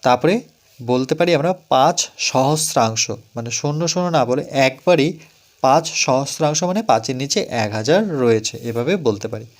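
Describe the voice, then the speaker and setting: A man teaching a school math lesson, going through each step and repeating numbers slowly. He asks the students questions and then answers them himself. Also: mid-range voice.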